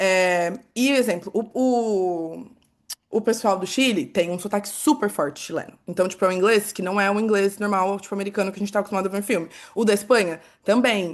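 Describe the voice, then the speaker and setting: Speaking at a fairly quick pace, a woman uses a medium pitch, ordinary pitch variation and an animated tone. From Brazil. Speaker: advertising creative, art director. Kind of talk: panel discussion. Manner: animated, casual.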